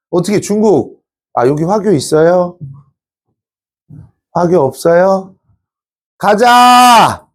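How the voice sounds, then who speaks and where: Lively, chatty man lecturing a class. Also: on the high side. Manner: chatty, teasing asides to students; lively, informal. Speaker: teacher.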